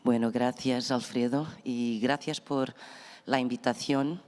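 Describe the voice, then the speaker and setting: Portuguese-accented woman speaking slowly in a hall. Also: a bass voice, fairly even intonation, darkish tone. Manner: slow and careful, with hesitant restarts. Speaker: researcher and conference speaker. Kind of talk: conference talk. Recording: reverberant conference hall.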